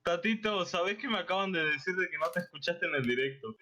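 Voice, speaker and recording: A young man chats through a live game. His voice sits extremely high for a man and has a bright, forceful edge. He is excitable and insistently repeats himself. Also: fast. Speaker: gaming streamer. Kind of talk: casual live gaming chat.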